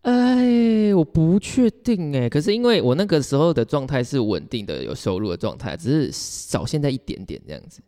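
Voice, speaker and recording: A man speaks Mandarin with a Taiwanese accent in a very lively, swinging intonation. He tells stories casually, giggly and rambling, like a podcast co-host. His voice rings with a long reverb. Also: a little high, normal speed, hardly any pauses. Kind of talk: casual chat, personal storytelling. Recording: reverberant, hall-like sound.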